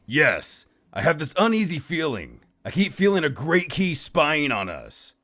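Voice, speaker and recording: A man voicing a grave, wary warrior who speaks seriously, with a gravelly, husky voice. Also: fairly high pitch, huge pitch swings, bright, forceful tone, full character voice. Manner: serious, measured explaining. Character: grave, wary male warrior, low and watchful.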